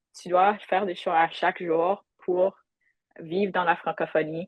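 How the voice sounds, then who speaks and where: A woman speaks at a very slow pace in a dry, close sound with no echo and a quiet background. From western Canada (Manitoba, then British Columbia). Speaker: youth organization representative, panelist. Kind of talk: panel discussion. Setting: video call webinar.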